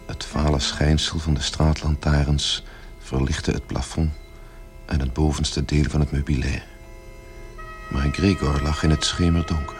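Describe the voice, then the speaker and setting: A man's voice: extremely low pitch, little pitch movement, unhurried. A man narrating a scripted radio play as its storyteller. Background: music.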